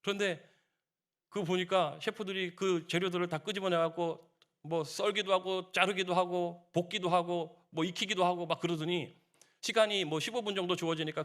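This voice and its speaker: A man's voice: sits high, a bit bright. A man preaching a dawn sermon as pastor, exhorting the congregation with rising emphatic appeals. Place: church sanctuary.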